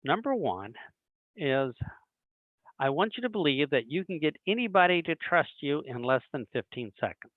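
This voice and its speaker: A man leads a recruiting training talk over a video call, acting out small exchanges as he explains. His voice sits a little high and swings up and down with animation. The sound is dry and narrow, like a phone line. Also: moderate pace, no room sound. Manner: animated, acts out little dialogues. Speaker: webinar presenter. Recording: dry tinny phone-like online call audio.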